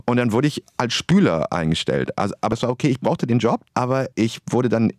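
A man's voice: mid-range voice, big pitch swings, a little fast, darkish tone, no room sound. Man w/ a stutter, lots of repeats, talking it through in a dead dry room. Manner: stutters, repeats words and restarts. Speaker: interview guest, writer. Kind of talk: reflective conversational interview.

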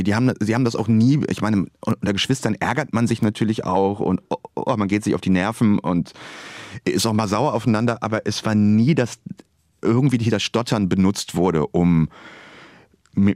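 Stuttering man, low dry voice. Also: darkish tone, no echo. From Bremerhaven, Germany. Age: 40s. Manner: stuttering, reflective. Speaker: author and journalist guest. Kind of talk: radio interview.

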